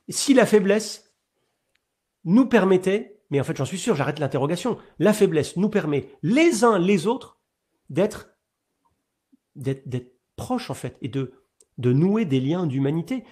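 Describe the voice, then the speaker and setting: A middle-aged man, a priest, speaking to an audience in a webinar. His voice sits a little high for a man. He keeps jumping up in pitch and loudness, then drops back, and he fills his pauses with hesitations and repeated words. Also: breathy edge. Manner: animated storyteller with sudden rises in pitch and loudness; frequent fillers and repeated words. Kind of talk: webinar talk telling a personal story.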